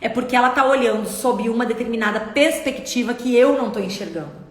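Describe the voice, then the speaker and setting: Speaking a little fast in a fairly high-pitched voice, a middle-aged speech therapist hosts a casual motivational live talk. She's chatty, addresses viewers directly, poses questions, and reads their comments out loud. Her room is echoey, with a long reverb.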